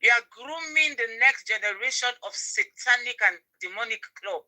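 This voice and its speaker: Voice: medium pitch, animated, moderate pace, pushed and bright. A caller with a Nigerian accent ranting angrily and denouncing someone. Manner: angry ranting denunciation. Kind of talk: casual chat. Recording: tinny phone line.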